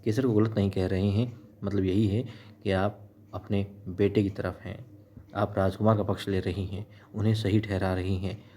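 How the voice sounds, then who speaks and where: Deep-voiced man retelling a TV episode. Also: dark tone, a little hiss or hum. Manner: chatty, addresses viewers as friends, repeats "yes indeed". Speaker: TV serial episode recap narrator. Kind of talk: storytelling recap of a TV episode.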